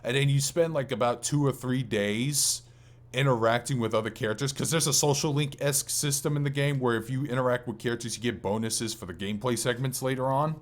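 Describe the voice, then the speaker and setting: A man's voice: medium pitch, fairly quick. A man co-hosting a casual gaming podcast, speaking in an informal, rambling, enthusiastic way. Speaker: podcast co-host.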